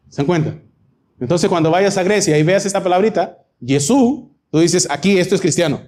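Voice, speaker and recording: A man's voice: high voice, darkish tone. A man preaching a Bible-teaching sermon, emphatic and full of rhetorical questions.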